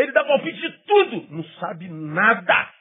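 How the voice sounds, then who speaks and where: A man's animated tone at an extremely high pitch. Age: 40s. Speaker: pastor. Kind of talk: sermon. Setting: church.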